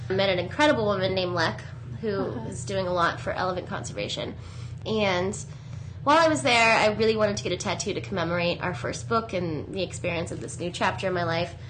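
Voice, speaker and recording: Over noticeable background noise and audible room echo, a woman with a fairly low pitch speaks at a very fast pace with very wide pitch swings. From Hawaii. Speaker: travel guidebook founder. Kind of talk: casual interview. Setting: hostel.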